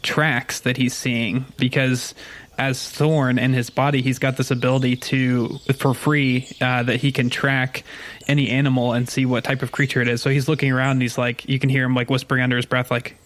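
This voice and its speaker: A man narrates his character in a tabletop role-playing game. His talk is casual and rambling, explaining things as he goes. The pitch stays in a narrow, even band. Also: normal speed.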